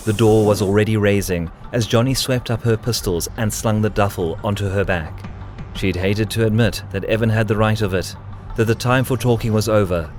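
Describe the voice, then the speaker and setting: Low-voiced man as a cyberpunk story narrator. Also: normal speed, darkish tone, faint music behind, natural voice. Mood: tense, dramatic. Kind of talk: scripted audio drama narration.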